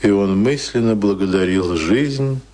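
An actor narrating a radio play as a solemn, grave storyteller in a measured, dramatic way. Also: male voice, lowish voice, darkish tone. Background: faint music.

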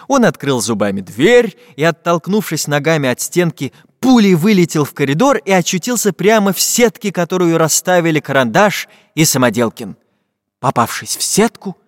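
A man narrating a children's fairy-tale audiobook in an expressive, lively manner. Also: fairly high pitch. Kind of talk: scripted storybook narration. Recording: dry voice with long reverb tail.

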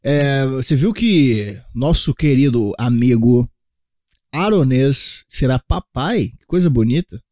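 A man's voice: mid-range voice, lively intonation, takes it slowly, dark tone, no echo, studio quality. A man co-hosting a casual comedy podcast, telling stories and acting out quotes for laughs. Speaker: podcast co-host.

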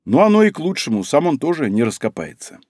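A man reading a first-person novel aloud as an audiobook narrator, with an expressive delivery. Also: fairly high pitch, fast, no echo, studio quality.

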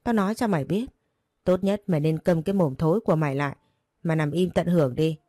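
A woman's voice: sits low, fast, mellow, no echo. A woman reading a story voices a drunk, brutal young husband who snarls threats. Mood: bullying. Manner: snarling, bullying.

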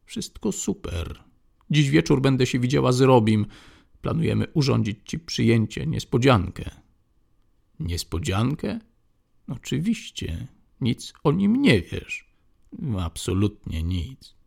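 Here is a playful, affectionate young wife , put on by a male reader who lifts his voice. She speaks slowly and teasingly, with a touch of grit still audible underneath. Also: mid-range voice, big pitch swings, vocal fry, a little mellow, husky, exaggerated voice. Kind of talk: audiobook character voice.

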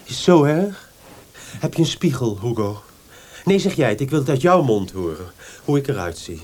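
A man's voice: mid-range voice, very animated, normal speed, darkish tone. An actor playing a sleepless, lovesick young man in a radio play, pleading and self-absorbed in a dramatic way. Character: sleepless, lovesick, melodramatic young male visitor. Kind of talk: Dutch radio play acting.

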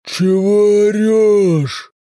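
Cthulhu, as a man voices a husky booming deity. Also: fairly even intonation, very slow, warm tone, dry recording. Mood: aggrieved. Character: ancient male Cthulhu entity, disembodied voice, proud and touchy. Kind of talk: audiobook reading.

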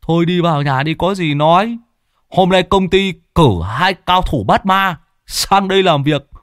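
A man doing a loud, cocky ghost-hunter sidekick, pitched well above a normal speaking voice, bossing his host around in a storytelling tale. Sharp and swaggering, with a pitch that jumps about. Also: animated, measured pace, dry recording, clean studio sound. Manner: cocky, bossy, teasing.

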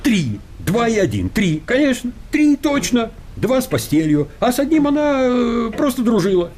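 A man's voice: very high-pitched, huge pitch swings, normal speed, a little mellow, exaggerated voice. An actor playing a timid, educated man in a radio comedy, polite and fussy, easily flustered and protesting hesitantly. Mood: flustered, insistent. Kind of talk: radio play comedy acting.

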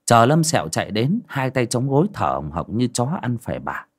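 A man narrating a dramatic folk ghost story in an expressive storytelling manner. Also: mid-range voice, normal speed, husky. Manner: lively, expressive.

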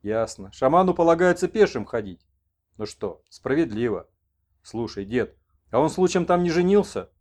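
A man's voice: mid-range voice, very animated, moderate pace, darkish tone, lightly acted. A man voicing a talkative old village grandfather with a folksy, colloquial manner.

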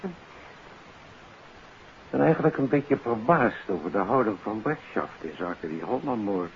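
A man's voice: on the low side, lively intonation, measured pace. A man acting a genial, authoritative police official in a 1950s radio drama, formal and affable in his manner. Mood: genial, reflective. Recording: dull, hissy 1950s radio recording.

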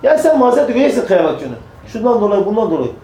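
A religious preacher addresses a small group emphatically, repeating phrases and answering his own rhetorical questions. His high voice is sing-song, racing and dark in tone, captured roughly in an echoey room.

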